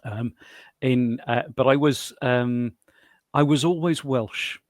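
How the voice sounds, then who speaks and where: South London man in his sixties, halting. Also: mid-range voice. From South London, England. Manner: halting, repeats words as he explains. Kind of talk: conversational interview answers.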